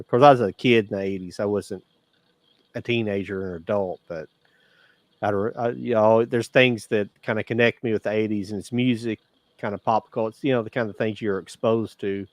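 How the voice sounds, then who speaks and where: Low-voiced rambling man in his forties. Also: steady tone, a little fast, no echo. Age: 40s. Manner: rambling, restarts often. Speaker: podcast co-host. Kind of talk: casual movie chat.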